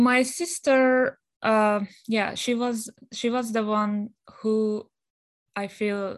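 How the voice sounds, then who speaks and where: With a non-native accent, the voice shows ordinary pitch variation. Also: woman. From Afghanistan. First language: not English. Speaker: author and social services worker. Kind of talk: interview. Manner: halting.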